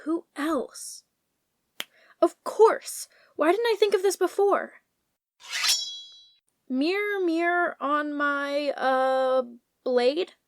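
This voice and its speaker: A woman's voice: high-pitched, drawn-out words, long pauses, no room sound. A woman playing a resolute, optimistic lady knight who leads a quest with reassurance, in an audio drama. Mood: eager. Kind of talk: scripted audio fiction acting.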